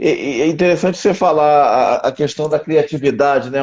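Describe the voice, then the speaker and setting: A man talks at a moderate pace in an unremarkable speaking voice. His intonation stays fairly even. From Rio de Janeiro, Brazil. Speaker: interview host. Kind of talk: interview.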